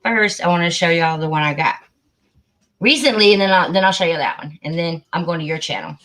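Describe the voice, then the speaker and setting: A woman hosting a casual livestream, chatty and excitable, muttering to herself as she searches for something. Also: fairly low pitch, fairly quick, rough recording. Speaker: livestream host.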